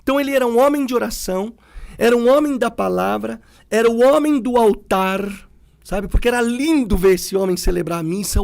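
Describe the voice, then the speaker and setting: A middle-aged man, a priest, talking in a relaxed way and telling stories, acting out the people he quotes. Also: high-pitched, vocal fry. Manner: animated, acts out quoted people. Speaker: priest guest. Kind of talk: conversational storytelling.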